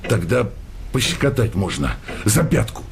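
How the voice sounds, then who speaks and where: An actor playing a rough, hard-drinking working-class husband in a radio comedy, blunt and slangy. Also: male voice, on the low side, big pitch swings, moderate pace, a little hiss or hum. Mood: hesitant, uneasy. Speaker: actor in a comedy audio play.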